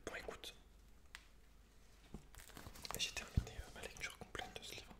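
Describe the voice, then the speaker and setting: Whispering Frenchman, soft ASMR delivery. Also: unhurried. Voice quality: breathy, unvoiced whisper. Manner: intimate, informal, addressing the listener directly. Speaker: ASMR video host. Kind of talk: whispered ASMR, reading a book aloud with casual asides.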